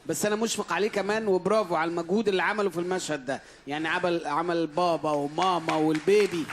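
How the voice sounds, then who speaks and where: Egyptian guy judging a show, high quick voice, casual comments. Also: steady tone, a faint crowd, a little hiss or hum. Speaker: talent show judge. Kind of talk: casual spoken feedback.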